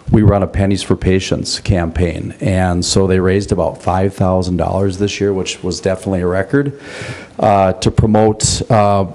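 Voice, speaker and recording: A man in his fifties, serving as a school principal, delivers an informal report into a gooseneck podium microphone in a meeting room. His voice sits low with a darkish tone.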